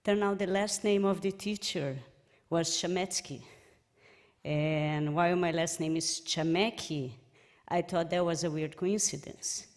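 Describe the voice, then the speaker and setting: Slow-speaking Brazilian woman in a hall. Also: lowish voice, fairly even intonation. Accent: Brazilian Portuguese. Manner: warm anecdotal, laughs between remarks. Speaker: speaker at a memorial event. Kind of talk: personal remembrance speech. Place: lecture hall. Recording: hall reverb.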